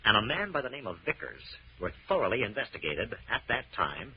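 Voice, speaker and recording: An actor playing a cool, confident male sleuth in a 1940s-style radio mystery, smooth and unflappable as he probes. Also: lowish voice, sing-song, brisk, full character voice. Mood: measured, deducing. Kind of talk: 1940s radio detective drama acting. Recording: dull, noisy old radio recording.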